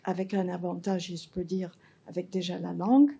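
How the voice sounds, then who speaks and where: An older woman in the audience making a thoughtful, measured comment at a talk, with pauses. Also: on the low side, steady tone, vocal fry, warm tone, breathy edge. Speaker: audience member.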